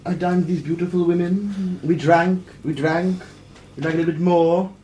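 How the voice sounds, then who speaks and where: Man, boastful tall-tale teller, rambling, halting, high voice, echoey room, faint noise. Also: steady tone, mellow. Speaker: player telling a tall tale in character. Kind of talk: improvised in-character storytelling.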